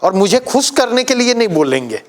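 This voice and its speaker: Animated man teaching a class. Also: very high-pitched, fairly quick. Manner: emphatic, asks the class questions. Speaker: exam coaching teacher. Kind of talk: classroom lecture.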